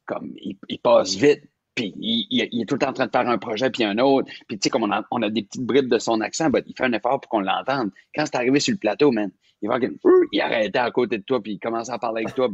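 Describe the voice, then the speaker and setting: A man's voice: mid-range voice, fast, husky, dry recording, lo-fi sound. A man, co-hosting a live talk show and telling stories in a rambling, chatty way. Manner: chatty, rambling storyteller, mixes in English. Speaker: co-host, show writer.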